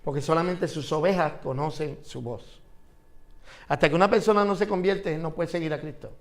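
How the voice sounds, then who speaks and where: A man's voice: a little high, moderate pace. A man teaching an interactive Bible class, asking his students questions and repeating phrases for emphasis.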